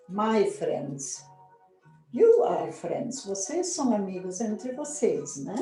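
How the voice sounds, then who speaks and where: A Brazilian woman gives an English lesson in an unhurried, mellow voice. She stretches out each model sentence and often checks in with a quick question. The room is echoey, with faint music underneath. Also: medium pitch. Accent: Brazilian Portuguese. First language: Portuguese. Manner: slow, drawn-out model sentences with frequent "né?" checks. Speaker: English teacher.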